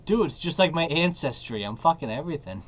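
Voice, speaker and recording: A man's voice: on the high side, lively intonation, brisk, a bit bright. A man joking around in a casual podcast chat, laughing often and swearing. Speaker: podcast co-host.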